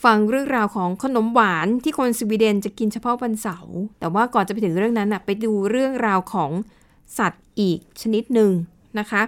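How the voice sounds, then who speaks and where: A woman's voice: medium pitch, fairly quick. Polite woman radio host. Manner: polite, frequent backchannel replies. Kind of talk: hosting radio segment.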